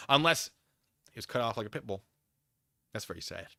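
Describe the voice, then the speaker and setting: A man's voice: mid-range voice, expressive, moderate pace, creaky, sharp tone, dry recording, studio quality. A man hosting a livestream, chatting casually with viewers in a theatrical, emphatic manner. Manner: theatrical, emphatic, exasperated debating. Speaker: livestream host.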